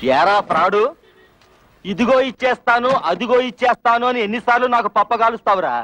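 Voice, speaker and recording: A man's voice: very high-pitched, fairly quick, sharp tone. An actor playing an angry man demanding his money back in a film scene. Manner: aggressive, demanding. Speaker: creditor.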